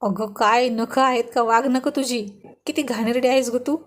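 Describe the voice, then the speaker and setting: A woman's voice: fairly high pitch, fairly even intonation, normal speed, close to an everyday voice. A woman reading a storybook, voicing a teasing, playful young husband in a bantering, mock-stern way.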